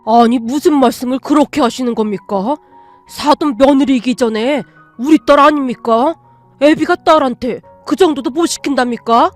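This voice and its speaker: A woman voicing a short-tempered older father who shouts with contempt. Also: high voice, moderate pace, soft background music, close to an everyday voice. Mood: scornful, shouting.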